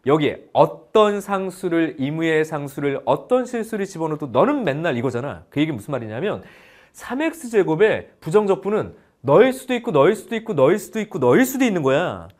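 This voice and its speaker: A man delivering an online math lesson in a somewhat raised voice whose pitch rises and falls with lively energy. He is playful, switching between polite and casual speech with his students. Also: a little fast. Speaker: math teacher. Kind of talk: online lecture.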